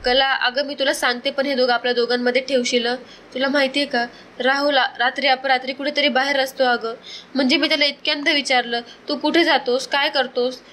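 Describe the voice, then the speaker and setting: Scheming young wife voiced by a woman narrator, high and bright, theatrically pleading in a dramatized recap. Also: level tone, fairly quick, a little hiss or hum. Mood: whining.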